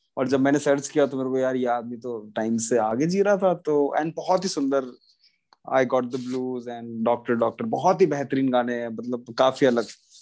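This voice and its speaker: Speaking at a moderate pace, a man with a plain, everyday voice uses a medium pitch and ordinary pitch variation. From western Uttar Pradesh, India. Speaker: artist. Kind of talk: casual interview.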